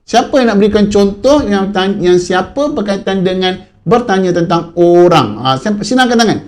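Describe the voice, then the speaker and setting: A man with a Malaysian Malay accent teaching an online primary school class, keeping it animated and questioning his pupils. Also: sits high, normal speed.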